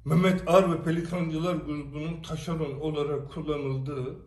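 High-pitched man speaking to his followers in an emphatic storytelling monologue full of rhetorical questions. He is recorded in an echoey room. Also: fairly even intonation, normal speed, distant mic. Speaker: commentator addressing followers. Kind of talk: direct-to-camera monologue. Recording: echoey room, away from the mic.

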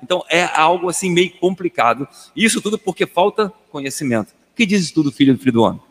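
A man's voice: a little high, lively intonation, quick pace, fairly bright tone, long reverb tail. A Brazilian man in a casual Bible study discussion, earnest and repeating words as he thinks aloud. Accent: Brazilian Portuguese.

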